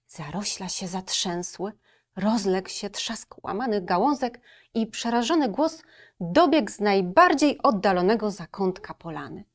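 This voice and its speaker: A woman librarian reading a storybook aloud and speaking gently and directly to young children. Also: mid-range voice, lively intonation, unhurried.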